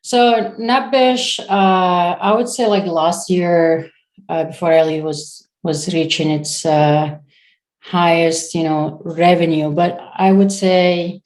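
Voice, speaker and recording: Low-voiced woman founder from Syria. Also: steady tone, darkish tone. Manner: halting, searches for words with frequent pauses. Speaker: startup founder, guest. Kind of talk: casual interview answers.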